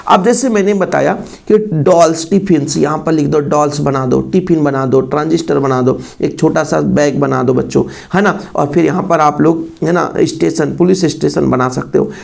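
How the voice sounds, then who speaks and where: A male teacher giving an exam-prep lesson to students, with a gravelly voice and an Indian accent when he reads English, repeating phrases and asking rhetorical questions. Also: sits high, a little mellow.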